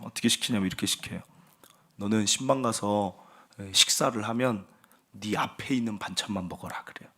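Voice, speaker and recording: A male pastor preaching a sermon, telling stories with acted quotes and moving between loud emphasis and hushed asides. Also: medium pitch, husky. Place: church sanctuary.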